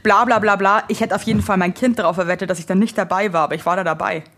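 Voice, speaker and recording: A woman's voice: mid-range voice, steady tone, very fast, a bit bright. A woman co-hosting a podcast in casual chat, rambling and swearing freely with many restarts. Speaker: podcast co-host. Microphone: headphones on.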